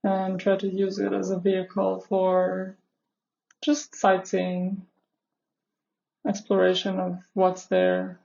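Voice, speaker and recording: A woman leading a guided meditation in a measured, instructional way, with long pauses between phrases. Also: medium pitch, completely flat delivery, creaky, dark tone, dull audio. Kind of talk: guided meditation, live session.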